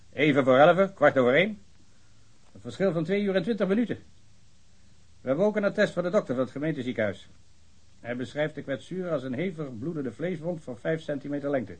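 An actor playing a long-winded, pedantic police officer in a radio drama. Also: male voice, on the high side, husky. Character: fussy male police officer reading a report.

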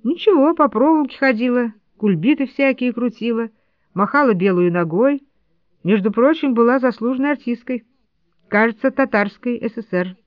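A woman reading the lines of an enthusiastic female circus performer in an audiobook, in a lively, offhand way. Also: on the high side, normal speed, dry recording, voice pushed up, lightly acted. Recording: dull lo-fi dry studio read.

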